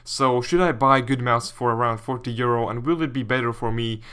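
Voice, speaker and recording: A man's voice: mid-range voice, fairly quick, fairly bright tone, clean tone. A young man with a Latvian accent casually commentating, reading viewer questions and answering them as a gaming YouTuber.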